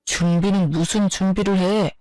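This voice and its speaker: A woman's voice: medium pitch, fairly even intonation, moderate pace, mellow, no room sound, close to an everyday voice, poor audio. Brief: snappish tired husband, read by a woman, blaming tone, storybook reading, dry close sound. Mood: accusing. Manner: accusing, snappish. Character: irritable tired young husband.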